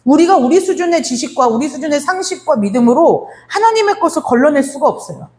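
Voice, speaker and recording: A woman's voice: high voice, expressive, brisk, a little mellow. A middle-aged woman pastor preaching a sermon, telling a story to her congregation and acting out its lines of dialogue as she speaks to them directly.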